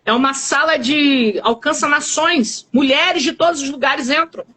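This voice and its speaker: Fervent high-voiced woman giving testimony. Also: unhurried, sharp tone. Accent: Brazilian Portuguese. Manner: fervent, emphatic, repeats key words. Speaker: testifying minister. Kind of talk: church testimony.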